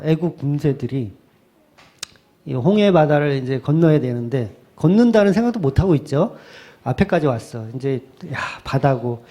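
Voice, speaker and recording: A male pastor preaching a sermon in a lively way, slipping into quick acted asides. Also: fairly high pitch.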